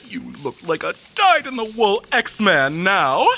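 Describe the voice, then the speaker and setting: An actor playing an effusive, theatrical, flamboyant fashion designer in an audio drama. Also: male voice, high voice, sing-song, takes it slowly, sharp tone, slight background noise, full character voice. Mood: gushing.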